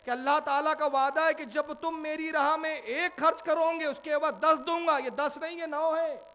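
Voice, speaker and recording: Preacher doing a firm, fervent household head who won't back down, high and loud. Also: male voice, lively intonation, big-room sound. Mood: impassioned. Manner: firm, insistent and rising. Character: righteous male household head, firm and certain.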